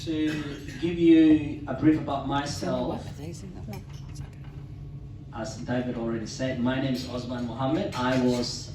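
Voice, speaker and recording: A man from Somalia in his thirties, giving a prepared, formal talk as a guest speaker at a club dinner, with measured delivery and occasional restarts. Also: medium pitch, steady tone, distant mic, noisy background. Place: club meeting room. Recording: echoey hall, speaker away from mic.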